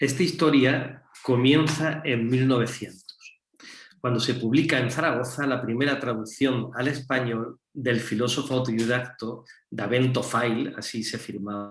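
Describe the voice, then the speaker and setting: A man with a Madrid accent speaks at a fairly slow pace, his voice somewhat breathy. His pitch is medium and his intonation fairly even. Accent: Castilian Spanish (Madrid). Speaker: writer giving a conference talk. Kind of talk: lecture read from a script; lecture introduction, spontaneous. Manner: hesitant, repeating words.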